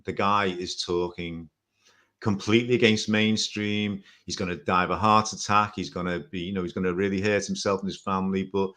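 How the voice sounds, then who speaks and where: A man's voice: low voice, fairly even intonation, a little fast, bright, forceful tone. A man in his sixties from Liverpool with a Liverpool accent, telling his story as an interview guest in a chatty, rambling way with small self-corrections and jokes. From Liverpool, England. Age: 60s.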